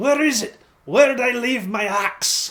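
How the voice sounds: A man's put-on character voice, extremely high-pitched, at a fairly slow pace.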